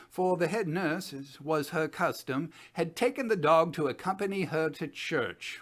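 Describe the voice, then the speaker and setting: Expressive older man reading a formal report. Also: fairly high pitch. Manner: measured, formal storytelling. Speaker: narrator of an investigator's chronicle. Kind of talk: dramatic reading of a scripted 1914 report. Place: small home study, indoors.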